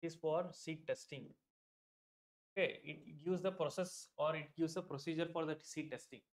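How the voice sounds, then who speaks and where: A young man with an Indian English accent and a fairly high voice talks his students through a live online lesson. He leans on "like" as a filler, repeats himself, and calls on viewers by name. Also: fairly even intonation, normal speed. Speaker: online exam tutor. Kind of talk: live-stream lecture.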